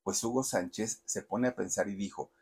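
A man's voice: on the low side, moderate pace, darkish tone, slightly rough. A man telling a story dramatically and speaking directly to his audience. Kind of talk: animated biographical storytelling.

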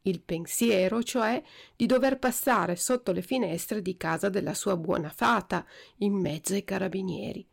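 A woman narrating a storybook with an expressive, steady delivery. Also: medium pitch, normal speed, creaky. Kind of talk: storybook reading.

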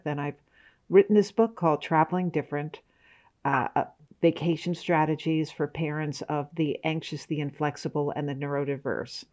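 A woman's voice: deep voice, darkish tone. Woman, interview guest, speaks steadily and informatively, a little hesitant at times. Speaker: guest, travel writer. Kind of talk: interview answers.

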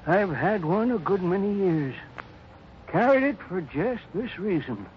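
A man playing a brooding, menacing cowhand with a deliberate, cryptic manner in a 1950s radio western. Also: high voice, expressive. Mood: ominous. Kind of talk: 1950s radio drama acting. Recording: dull, faintly noisy 1950s radio recording.

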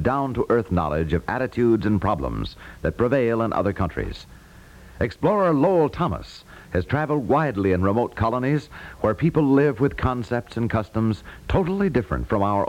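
A man's voice: on the low side, a little mellow. A man with an American accent announcing from a script in the formal, polished manner of 1950s network radio. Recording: dull vintage 1950s radio broadcast.

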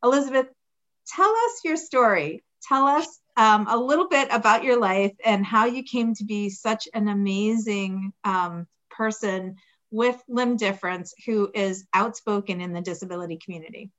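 A woman's voice: medium pitch, normal speed, a bit bright, lo-fi sound. A woman hosting a podcast, enthusiastic and bubbly as she introduces her guest. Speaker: podcast host. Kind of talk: podcast interview.

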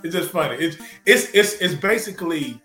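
A man with a bright, forceful voice chats casually, stumbling over repeated words and laughing a lot. He sounds like he's in an echoey room with music faintly behind him. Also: on the high side, lively intonation, fairly quick. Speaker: podcast co-host. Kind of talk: casual chat.

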